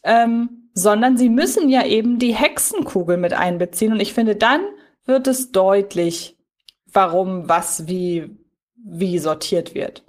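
A woman co-hosting a podcast in casual discussion, explaining things in a deliberate manner. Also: mid-range voice, a little mellow. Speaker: podcast co-host.

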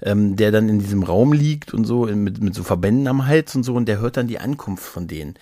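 A man with a fairly low voice, recorded close and dry, chats as a podcast host. His talk is enthusiastic and rambling, full of rephrasing. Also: a little fast, warm tone, no echo. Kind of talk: casual chat about audio dramas.

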